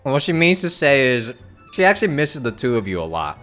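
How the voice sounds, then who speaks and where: A woman's voice: rumbling low, big pitch swings, a little fast, a bit bright, soft background music. A woman giving casual, joking, teasing commentary as she live-streams a game.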